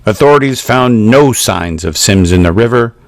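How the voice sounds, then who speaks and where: Serious male newsreader played by an actor: lower register, measured and formal, very little room sound. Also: animated, no room sound, clean studio sound. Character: serious, formal male local news anchor. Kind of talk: dramatized news report.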